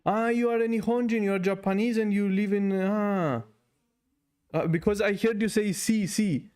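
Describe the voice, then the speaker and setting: Inquisitive higher-voiced man. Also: fairly even intonation, moderate pace, a little mellow, clear, resonant tone. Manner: inquisitive, repeats "yeah, yeah". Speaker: language learner and channel host. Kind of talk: casual lesson chat.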